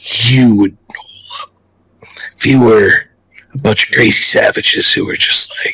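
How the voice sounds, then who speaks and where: A man puts on a raspy character voice. He leaves long, frequent pauses. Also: moderate pace. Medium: actual play. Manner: measured, inquisitive.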